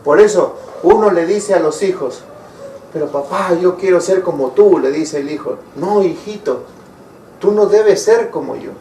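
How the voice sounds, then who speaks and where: High-voiced preacher in an echoey hall. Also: male voice, unhurried, warm tone, slight background noise. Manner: asks the congregation rhetorical questions. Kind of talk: sermon. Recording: echoey room, mic far off.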